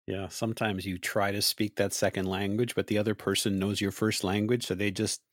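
A man's voice: lowish voice, flat delivery, a little fast, no echo, studio quality. A man, from Montreal, hosting an interview in a chatty, anecdotal way. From Montreal, Canada. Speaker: interview host. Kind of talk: conversational interview.

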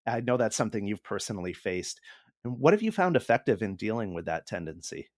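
A man's voice: lowish voice, very animated, a little fast, darkish tone, no room sound, studio quality. A man hosting a podcast interview, steadily guiding the conversation with questions. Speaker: podcast host.

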